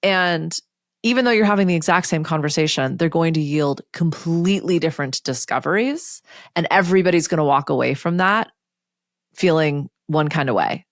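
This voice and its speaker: A woman hosting a solo podcast, speaking in a candid, conversational way with the odd curse word and quick put-on voices for other people. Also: deep voice, dry recording, clean studio sound. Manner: candid, conversational, occasionally profane. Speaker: podcast host and coach. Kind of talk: casual solo podcast talk.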